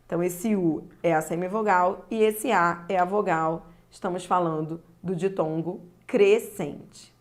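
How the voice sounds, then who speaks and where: A woman's voice: lowish voice, fairly even intonation. A Brazilian woman teaching a grammar lesson, stretching key words and speaking straight to the viewer. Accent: Brazilian Portuguese. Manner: slow and deliberate, stretching key words, addressing the viewer directly.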